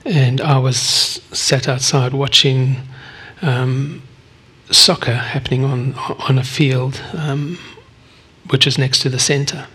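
A man in his fifties from South Africa, preaching a sermon and sharing a personal testimony in an earnest, vulnerable way with frequent pauses. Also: mid-range voice, fairly even intonation, pushed and bright, breathy edge. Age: 50s. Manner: earnest, vulnerable, often pausing.

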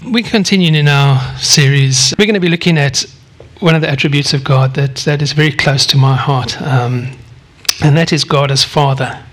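Earnest husky-voiced man in his fifties. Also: fairly high pitch. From South Africa. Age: 50s. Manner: earnest, vulnerable, often pausing. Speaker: preacher. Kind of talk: personal testimony sermon.

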